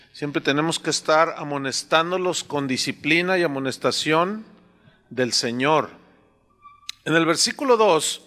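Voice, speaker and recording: A man's voice: on the high side, pushed and bright. A man, preaching a sermon as a pastor in a conversational, storytelling way with many fillers. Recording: long hall reverb.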